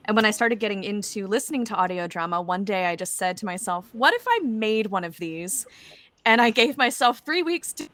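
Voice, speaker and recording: A woman's voice: mid-range voice, lively intonation, a little fast, fairly bright tone. A woman speaking casually and off the cuff as a panelist and creator. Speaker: panelist, audio drama creator.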